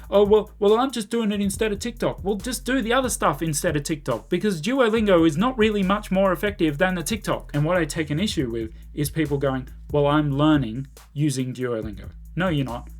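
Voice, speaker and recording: A man giving casual, opinionated commentary, blunt and emphatic, often exasperated. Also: fairly high pitch. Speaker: YouTube language-learning commentator.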